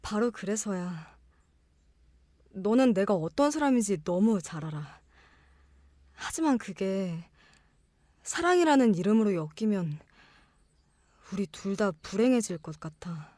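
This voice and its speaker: Earnest young woman, acted by a woman, unhurried. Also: medium pitch, lively intonation, warm tone, dry recording, clean studio sound, close to an everyday voice. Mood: sorrowful, resolute. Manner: slow, hesitant, heartfelt delivery. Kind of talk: audio drama acting.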